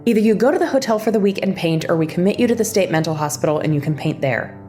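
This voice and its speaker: A woman's voice: fairly low pitch, expressive, fast, warm tone, close to an everyday voice. A woman playing a bossy but concerned sister in an audio drama, speaking in a blunt, sarcastic, insistent way. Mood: stern, insistent. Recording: music underneath the voice. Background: background music.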